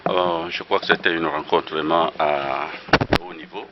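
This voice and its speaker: Man, very deep voice, slow and halting, dull lo-fi news audio. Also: steady tone, noisy background. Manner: slow, halting, many hesitations. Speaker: health official. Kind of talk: press statement.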